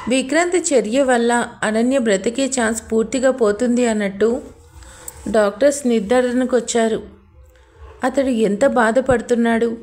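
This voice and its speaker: A woman's voice: on the high side, darkish tone. A woman narrating a romantic audio story in a scripted, dramatic, emotional way.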